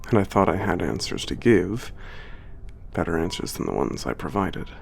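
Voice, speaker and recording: Man playing a low, creaky, gentle old giant. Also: sing-song, faint music behind, heavily acted. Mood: pensive, regretful. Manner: measured, formal, contemplative. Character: old, gentle, reflective male giant writing a letter. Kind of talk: ASMR letter narration and roleplay.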